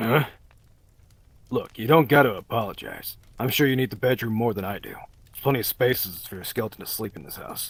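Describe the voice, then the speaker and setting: Putting on a character voice, a man speaks at medium pitch and a fairly quick pace. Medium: audio drama. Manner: weary, irritable.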